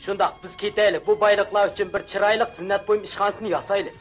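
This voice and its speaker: A man voicing a calm older male professor in a cartoon dub, polite and measured. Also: high-pitched, soft background music, natural voice.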